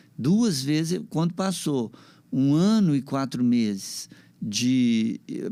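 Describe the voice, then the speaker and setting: A man's dark, mellow voice, fairly high in pitch with very wide pitch swings, on a very clean recording with a silent background. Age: 70s. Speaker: retired doctor and biology teacher. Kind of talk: podcast interview.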